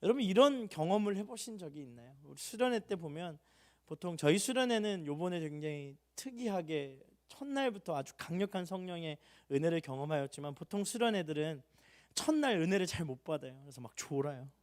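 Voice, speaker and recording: A young adult male pastor preaching an emotional sermon in a church hall, swinging from loud rising appeals to hushed low tones. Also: animated, a little fast.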